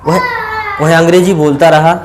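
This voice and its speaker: A man with an Indian accent teaches English grammar to a class, repeating example sentences, drawing the English ones out very slowly and making chatty asides to students. His voice is a little high with little pitch movement, over some background noise.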